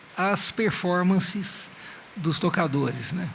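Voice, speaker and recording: Here a man speaks very slowly in a high voice with fairly even intonation. Room echo is audible, and background noise is noticeable. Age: 60s. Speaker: musician and viola teacher. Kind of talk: lecture-performance.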